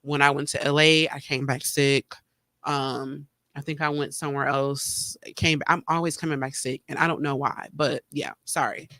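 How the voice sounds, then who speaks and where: A man rambles through a casual solo podcast chat, with plenty of ums and likes. His voice is bright and smooth, a touch higher than most men's, with a slight congested edge from a cold. The sound is dry and close. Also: little pitch movement, moderate pace, no echo. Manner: chatty, rambling with many fillers. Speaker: podcast host. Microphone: streaming mic.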